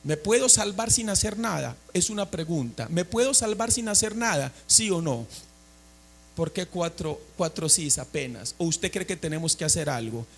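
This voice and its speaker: A man's voice: a little high, animated, moderate pace, gravelly. A man preaching a sermon as a pastor, asking the congregation questions and calling for responses.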